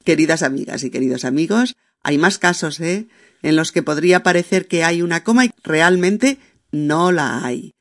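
A man's voice: a little high, normal speed, fairly bright tone. A man hosting a podcast lesson, patiently reading example sentences aloud with their punctuation and often checking that listeners follow. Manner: patient, with many checks like "¿de acuerdo?" and "¿mm?". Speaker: Spanish teacher and podcast host. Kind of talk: slow didactic podcast lesson.

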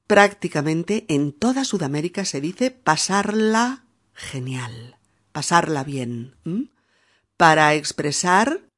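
A woman from Spain with a Peninsular Spanish accent, teaching a language lesson patiently and checking in with soft "mm?" prompts. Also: low-pitched, slightly rough.

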